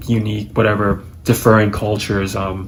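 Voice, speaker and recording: There is audible room echo as a man with a slight Filipino accent speaks. His pitch is medium and his pace moderate. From Taiwan. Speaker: YouTuber. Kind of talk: personal monologue vlog. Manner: hesitant, many fillers.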